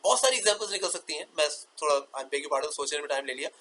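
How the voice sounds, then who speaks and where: A man teaching English grammar in a lecture, repeating key terms as questions and drawing out example words slowly. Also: fairly high pitch, animated, sharp tone, a little hiss or hum, poor audio.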